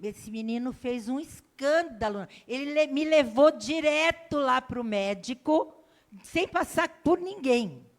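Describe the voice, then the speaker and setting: A woman's voice: high voice, lively intonation, takes it slowly. A middle-aged woman missionary preaching in a church, telling a personal story and acting out the dialogue for the congregation. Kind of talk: sermon storytelling.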